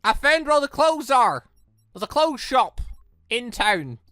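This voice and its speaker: A male gaming host chats casually through a playthrough in a bright, crisp voice. His pitch swings freely as he rambles and breaks off his own sentences, with faint music underneath. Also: sing-song, a little slow, no echo, clean studio sound. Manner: rambling, self-interrupting.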